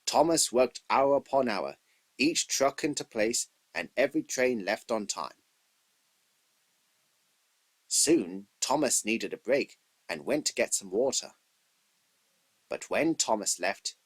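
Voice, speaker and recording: Husky male storybook narrator. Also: on the low side. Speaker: narrator of a children's train story. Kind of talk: scripted storybook narration, read in takes.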